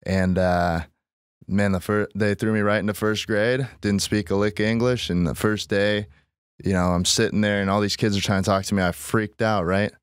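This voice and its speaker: A man's voice: on the low side, fairly even intonation, moderate pace, clear, resonant tone, no room sound. An American man in his twenties, born in Estonia, telling his story casually as a podcast guest on a close microphone. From born in Estonia, raised in the US Pacific Northwest from age six. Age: 20s.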